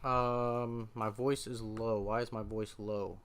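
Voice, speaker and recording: A man's voice: fairly low pitch, flat delivery, takes it slowly. A man streaming a watch party, talking informally to his viewers with lots of filler words. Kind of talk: casual live-stream talk.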